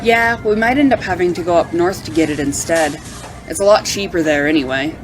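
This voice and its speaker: A woman's voice: fairly low pitch, fairly quick, lightly acted, rough recording. A woman playing a friendly, practical companion in an amateur audio drama, with a casual, conversational delivery.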